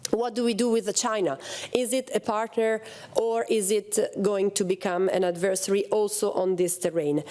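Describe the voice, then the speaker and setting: A woman's voice: mid-range voice, darkish tone. A woman from Italy, speaking on a policy panel, hesitant with many fillers and restarts. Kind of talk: panel talk on security policy.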